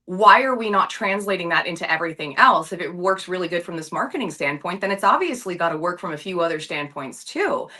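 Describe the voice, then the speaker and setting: A woman in her thirties co-hosts a casual talk show. Her voice sits a touch low but sounds bright and forceful. She is opinionated, quick to rant and quick to laugh. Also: animated. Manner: opinionated, ranting, laughs easily. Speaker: podcast co-host. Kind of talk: casual chat.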